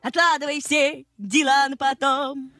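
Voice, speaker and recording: A woman's voice: sits high, little pitch movement, measured pace, bright, forceful tone, no room sound, full character voice. A woman voicing a scatterbrained, playful female spirit of idleness in a children's cartoon, flighty and stammering. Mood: excited. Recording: music behind the voice.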